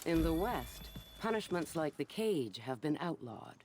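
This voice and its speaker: Solemn knight narrator over battle clatter. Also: male voice, a little high, big pitch swings, darkish tone, slight background noise. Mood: solemn, reflective. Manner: measured, solemn, reflective storytelling. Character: grave, battle-seasoned male knight recounting his homeland's wars. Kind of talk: scripted game narration. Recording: battle ambience and clatter behind voice.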